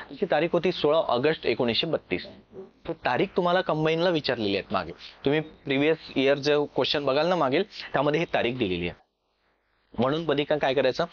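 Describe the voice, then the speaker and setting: A male coaching teacher with a Marathi accent from Maharashtra lectures at a rapid clip in a slightly high voice. He explains point by point and keeps tossing out short questions to check understanding. The sound is dull and lo-fi. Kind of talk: classroom history lecture.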